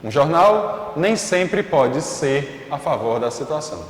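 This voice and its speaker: A man with a slightly high voice teaches a recorded online lesson, pausing on fillers and checking in with his class after each point. His voice rings through an echoey room with a long reverb tail. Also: very animated. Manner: frequent "é" fillers and "ok?" check-ins.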